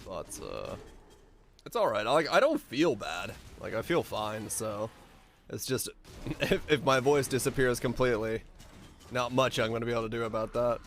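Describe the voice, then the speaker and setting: A hoarse man with a raspy, fading voice chatting casually while streaming a game, rambling and halting, swearing now and then. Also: mid-range voice, very animated, slight background noise. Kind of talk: casual gaming stream commentary.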